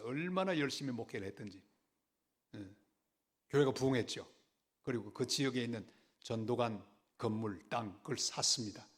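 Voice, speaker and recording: An older man preaching a sermon, telling a story in an animated way with dramatic swings in pitch and loudness. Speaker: pastor.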